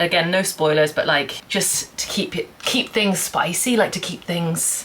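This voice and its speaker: Her voice is fairly low for a woman, with ordinary pitch variation. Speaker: book vlogger. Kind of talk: casual vlog talk to camera. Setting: at home. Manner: fast; animated.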